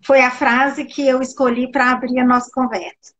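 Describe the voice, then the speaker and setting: A woman hosting an interview, gracious and warm, laughing easily. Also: high voice, level tone, moderate pace, a little hiss or hum. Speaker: host, interviewer. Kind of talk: friendly interview.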